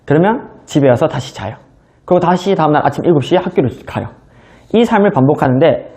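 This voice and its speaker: Mellow, fairly high-voiced man in his thirties. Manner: personal storytelling, conversational. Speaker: business seminar speaker. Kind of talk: motivational lecture.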